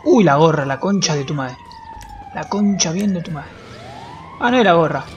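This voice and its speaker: A man's voice: a little high, animated, normal speed, lo-fi sound, slight background noise. A young man with a Rioplatense Spanish accent, streaming a roleplay game in a brash, joking, swear-heavy manner. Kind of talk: casual gameplay roleplay stream.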